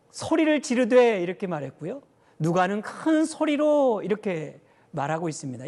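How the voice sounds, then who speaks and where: A male pastor giving an earnest sermon, slowing down to stress scripture quotes, with frequent "uh" fillers. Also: high voice, a little mellow. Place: church sanctuary. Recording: long reverb of a church hall.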